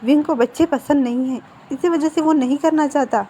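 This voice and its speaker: A principled young husband speaks calmly and firmly in a storybook retelling, as a woman puts him on. The voice is high-pitched and mellow in tone. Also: fairly quick, a little hiss or hum, close to an everyday voice.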